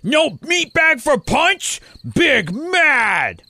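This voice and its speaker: A man playing a childlike, grumpy monster brute in an audio drama, speaking in short, blunt, broken phrases with a gravelly voice. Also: very high-pitched, sing-song, drawn-out words, bright, forceful tone, heavily acted. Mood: sulky, angry. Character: childlike hulking monster brute, grumpy, simple-minded, fearful.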